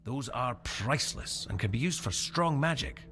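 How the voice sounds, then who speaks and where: An actor playing a weary, proud tribal warrior in a fantasy role-playing game, speaking gravely and deliberately with a fatalistic air. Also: male voice, medium pitch, animated, a bit bright. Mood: grave, instructive. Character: weary, proud tribal warrior man camped at sealed doors.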